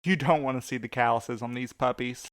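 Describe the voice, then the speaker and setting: A man's voice: medium pitch, brisk, a bit bright, no echo, studio quality, natural voice. A man playing a playful, teasing, dramatically squeamish courier in an audio drama. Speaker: voice actor.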